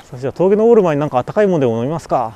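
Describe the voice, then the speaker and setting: A man's voice: a little high, sing-song, racing, mellow, low-quality recording. A man live-streaming from a roadside on a bike trip, chatting casually and reacting to viewer comments. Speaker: cycling livestreamer. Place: roadside vending machine outdoors on a mountain road. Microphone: action camera and webcam.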